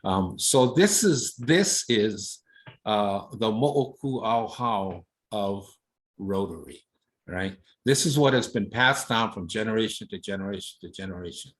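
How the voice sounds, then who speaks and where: A man's voice: on the low side, expressive, unhurried. A man from Hawaii giving an informal leadership presentation with slides, speaking casually with many fillers and often ending points with "right?".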